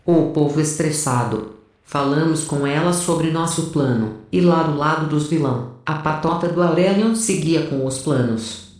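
A woman's voice: low-pitched, normal speed, a little mellow, close to an everyday voice. A woman playing a brash, cocky rebel soldier in an audio drama, speaking in a slangy, self-assured way. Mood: casual, chatty. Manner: colloquial, sassy, self-assured. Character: brash, cocky, foul-mouthed female rebel soldier telling her tale. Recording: very echoey room.

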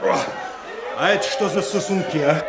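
An actor playing a rowdy, jeering drunken reveller in a radio drama. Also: male voice, high-pitched, normal speed, heavy background noise, close to an everyday voice. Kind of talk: Russian radio drama acting. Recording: echoey, loud fiddle music and crowd.

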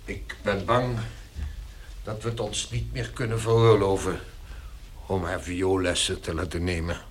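An actor playing a stern, practical middle-aged father in a radio drama, with a measured, authoritative manner. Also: deep voice, level tone, slight background noise. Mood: resigned.

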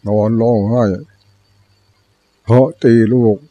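Older monk, mellow low-key voice, dry close sound, Dharma talk told as simple stories. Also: male voice, slow pace, dry recording, dull audio. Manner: plain storytelling with repeated teaching phrases. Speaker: Buddhist monk teacher.

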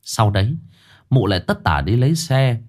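A man's voice: mid-range voice, big pitch swings, normal speed, darkish tone. A man narrating a horror story in a dramatic, ominous scripted reading.

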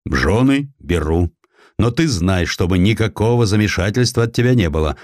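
A man's voice: fairly low pitch, lively intonation, moderate pace, darkish tone, no echo, clean studio sound, lightly acted. A man voicing a bold, free-spirited Cossack adventurer with blunt, folksy speech in an audiobook. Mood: blunt, defiant. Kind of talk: audiobook character acting.

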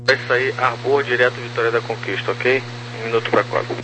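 A man's voice: mid-range voice, steady tone, brisk, lo-fi sound. A man working as an air traffic controller, giving clipped procedural instructions over a walkie-talkie style radio. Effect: over walkie-talkie style two-way radio. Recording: noisy two-way radio, loud hum and static.

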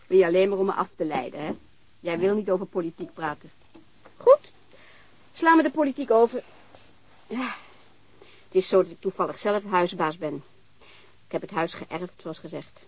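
A woman's voice: fairly low pitch, very animated, moderate pace, pauses often, a little mellow, slightly rough, poor audio. An actress playing an outspoken, chatty young landlady in a naturalistic radio drama, talking bluntly and informally with earthy swearing. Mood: opinionated.

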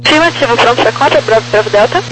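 Brazilian lady air traffic control on crackly radio, kinda high voice, noisy hum, clipped procedural clearances. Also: animated, fast. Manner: procedural, spelling out codes in phonetic alphabet. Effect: crackly aviation radio.

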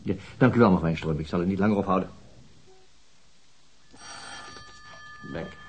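An actor playing a weary, hesitant, middle-aged police detective in a naturalistic radio drama. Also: male voice, low voice, rapid-fire, darkish tone, muffled recording, slight background noise, natural voice. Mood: subdued, apologetic. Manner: hesitant, understated. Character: weary, terse male police detective and father.

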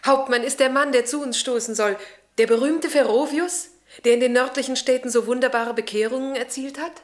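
Actress as a proud, earnest Christian captive. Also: female voice, high-pitched, fairly even intonation, a little fast, lightly acted. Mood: calm, curious. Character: proud, earnest, gently mocking young Christian woman prisoner. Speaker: actress in a radio play. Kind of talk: German radio drama acting.

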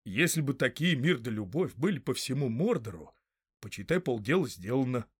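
A man's voice: mid-range voice, big pitch swings, moderate pace, slightly rough. A man voicing a plain-spoken, loyal young male hobbit with a homely, folksy manner. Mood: wry.

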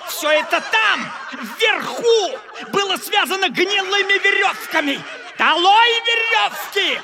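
Shrill jeering rake of a baron, slow and drawn out, radio play. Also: male voice, animated, creaky, a crowd in the background, exaggerated voice. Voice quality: cackling, jeering. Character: young male dissolute baron, mocking and shameless.

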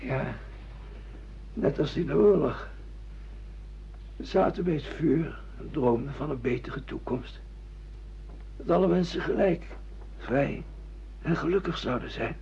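An actor playing an irritable, disoriented husband who questions everything in a radio drama. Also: male voice, a little high, expressive, unhurried, creaky, pauses often, a little mellow, a little hiss or hum. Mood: wistful, lost. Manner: querulous, questioning, exasperated. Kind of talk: radio play acting in Dutch. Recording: dull, muffled radio drama recording.

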